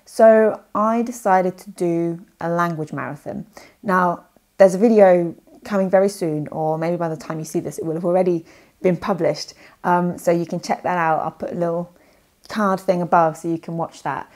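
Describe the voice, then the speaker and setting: A woman's voice: fairly low pitch, fairly even intonation, moderate pace, darkish tone. A young woman chatting to camera in a casual vlog, rambling with lots of fillers and self-corrections. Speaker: language learning vlogger. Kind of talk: casual talking-head vlog.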